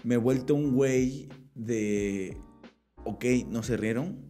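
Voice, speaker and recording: A man's voice: mid-range voice, slow, mellow, faint music behind. A young Mexican man, a stand-up comedian, chatting casually and animatedly with lots of slang fillers. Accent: Mexican Spanish. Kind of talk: casual podcast chat.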